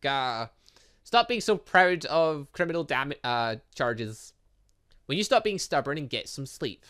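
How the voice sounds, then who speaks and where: A man with a fairly high, bright voice reads visual novel lines aloud for a gaming video. His pitch moves around a lot as he goes. He drops in casual, playful asides and often stumbles on a word before fixing it. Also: unhurried, smooth. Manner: stumbles over words and corrects himself; animated, exclaims and reacts playfully.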